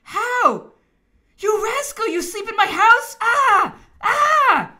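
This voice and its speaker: A woman voicing a startled, imperious male emperor who shouts in loud, high, abrupt outbursts. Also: big pitch swings, slow, heavily acted. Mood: indignant.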